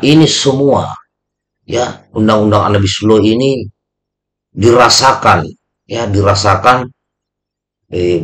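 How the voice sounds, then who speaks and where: A middle-aged man hosting a commentary, speaking in a measured, halting way and repeating phrases for emphasis. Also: low-pitched, a bit bright. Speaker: YouTube channel host, commentator. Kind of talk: commentary to camera, addressing viewers as friends. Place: small indoor home studio. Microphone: close microphone on boom arm, headphones.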